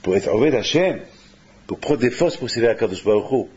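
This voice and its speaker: Animated preacher man, dull lo-fi recording. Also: fairly quick, background noise. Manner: animated, rising to high exclamations then dropping low. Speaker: rabbi. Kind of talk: sermon.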